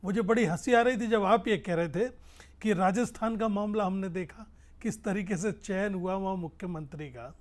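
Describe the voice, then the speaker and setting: High-voiced male panelist. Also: moderate pace. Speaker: political panelist. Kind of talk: animated political debate.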